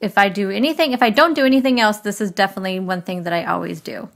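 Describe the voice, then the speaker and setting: A woman in her thirties talks easily through each cooking step, chatty and practical. Her voice sits at an everyday middle pitch, and she explains things plainly, one step after another. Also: fast talker, a bit bright. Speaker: meal prep vlogger. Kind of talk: casual voice-over narration. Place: home kitchen.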